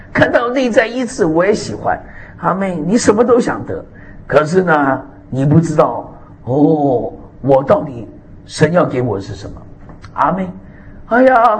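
A man preaching a sermon, animated and emphatic, with frequent hallelujahs and amens. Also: sits high, a little hiss or hum. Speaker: pastor.

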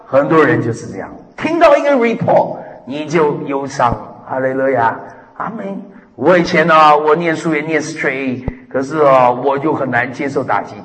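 A middle-aged man preaching a sermon as pastor, lively and emphatic, dropping hallelujahs and amens between points. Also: mid-range voice, moderate pace, slight background noise. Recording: echoey hall with long reverb.

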